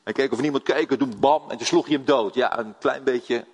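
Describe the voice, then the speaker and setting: An older man from the Netherlands preaches a sermon, telling lively stories and asking his congregation questions. His mid-range voice is brisk and husky, and a long hall reverb fills the recording.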